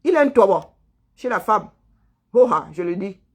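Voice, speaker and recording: A woman's voice: mid-range voice, animated, moderate pace. A woman from Cameroon, delivering a combative political monologue as a diaspora activist, mocking and taunting her listeners with rhetorical asides.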